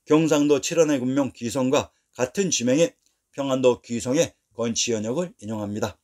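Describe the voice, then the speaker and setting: A man narrating a scripted history lesson, reading dates and place names in a steady, measured way. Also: medium pitch.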